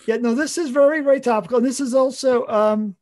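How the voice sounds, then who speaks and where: A man co-hosting a relaxed cartoonist podcast. He talks earnestly and wanders through his points, often stopping to correct himself. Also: extremely high pitch, fast. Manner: earnest, rambling, self-correcting. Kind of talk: casual chat.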